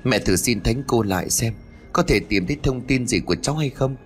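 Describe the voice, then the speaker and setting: A man's voice: mid-range voice, expressive, brisk, faint music behind, lightly acted. A man voicing an anxious young mother who calls out urgently in a storybook reading. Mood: soothing. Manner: urgent, near shouting. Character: anxious young mother searching for her child.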